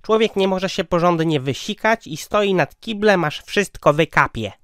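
A man's voice: high voice, lively intonation, moderate pace, clear, resonant tone, no echo, studio quality. An actor playing a sixty-year-old man in a cartoon comedy, complaining wearily. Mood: weary complaining. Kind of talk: cartoon comedy sketch dialogue.

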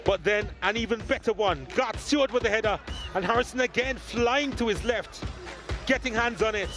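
A man commentating football match highlights in a lively, emphatic play-by-play manner. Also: normal speed. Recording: voice-over with music underneath.

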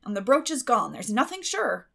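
Middle-aged woman acted by a narrator, stern, strict, grim, clipped, slightly gravelly, audiobook character. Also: on the high side, very animated, normal speed, full character voice. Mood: troubled. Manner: sharp, grim, clipped scolding.

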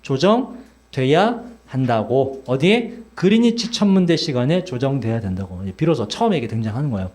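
A man's voice: mid-range voice, big pitch swings, moderate pace, darkish tone. A man in his forties giving a classroom English lecture, chatty and teasing, speaking directly to his students. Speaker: English teacher.

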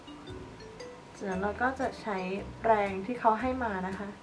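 A woman's voice: medium pitch, fairly even intonation, a little slow. A young woman chatting casually as a beauty vlogger while she demonstrates makeup products. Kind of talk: casual makeup tutorial chat. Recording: voice a bit far from the mic, light background music.

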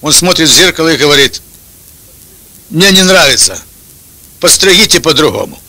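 Bright, forceful man telling jokes. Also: a little high, expressive, normal speed, no echo. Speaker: joke teller. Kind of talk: telling short jokes and anecdotes. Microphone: handheld-type microphone held close, headphones on.

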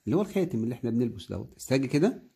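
A man with an Egyptian accent teaching a child to sound out letters, patiently repeating each sound slowly. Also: mid-range voice, sing-song, creaky, warm tone, slightly rough. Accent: Egyptian Arabic. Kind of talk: one-on-one phonics lesson with a child.

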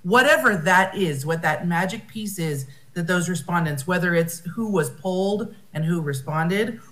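American woman, slightly low voice, academic speaker on a video call, reflective and searching for words. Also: expressive, normal speed, fairly bright tone. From United States. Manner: thoughtful, rephrasing often, with fillers. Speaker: conference speaker. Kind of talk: academic conference talk.

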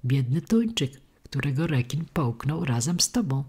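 A woman voicing a hoarse, philosophical male tuna who speaks with resigned dignity in a storybook reading. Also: rumbling low, very animated, moderate pace, darkish tone, full character voice.

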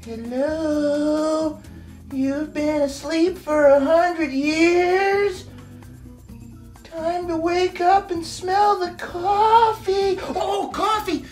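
Young puppet prince, high voice, unhurried, awkward, eager, apologetic, children's sketch. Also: fairly even intonation, darkish tone, heavily acted. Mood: nervous, rambling. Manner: hesitant, rambling, apologetic. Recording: roomy sound with music behind.

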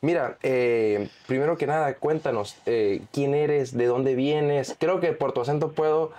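A man's voice: mid-range voice, a little slow, dark tone. A man in his thirties hosting an interview, asking chatty, friendly questions in an office lounge. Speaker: host. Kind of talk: casual interview. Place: office lounge with city view.

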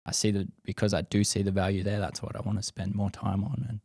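A man's voice: on the low side, flat delivery, quick pace, a little mellow, no echo, clean studio sound. Thoughtful man as a podcast guest. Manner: thoughtful, many likes and restarts. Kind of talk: casual podcast interview. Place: dim studio set. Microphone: boom-mounted studio mic.

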